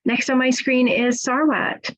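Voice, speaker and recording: A middle-aged woman, a nursing school director, moderating a webinar panel with a warm, encouraging way of asking questions. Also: high voice, flat delivery, a little slow. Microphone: video call. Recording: slightly dull video-call audio.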